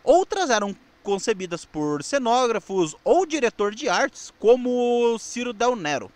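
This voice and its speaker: A Brazilian man presenting TV history, narrating from notes with casual asides in a halting way, rephrasing as he goes. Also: extremely high pitch, very animated.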